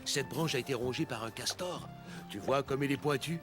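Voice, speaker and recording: A man playing a kindly, playful older grandfather in a cartoon, gently explaining and encouraging. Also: medium pitch, normal speed, lightly acted. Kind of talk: French cartoon dubbing. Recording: music behind the voice.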